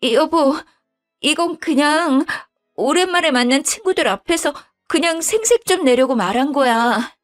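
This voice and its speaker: Woman voicing a high, whiny daughter-in-law figure for a narrated story; pleading, stammering schemer. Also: expressive, a little slow, faint music behind.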